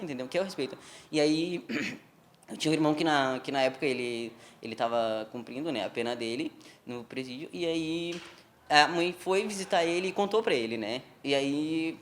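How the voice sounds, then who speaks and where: A man's voice: fairly high pitch, slight background noise. A young man telling a personal story in a TV interview, informal, with frequent tag questions. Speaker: interview guest. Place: television studio.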